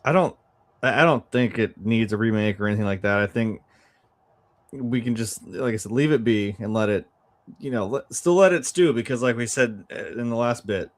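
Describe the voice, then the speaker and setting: Man, average pitch, casual film co-host chat, conversational, trailing asides. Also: normal speed. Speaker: film review show co-host. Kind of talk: casual chat about films.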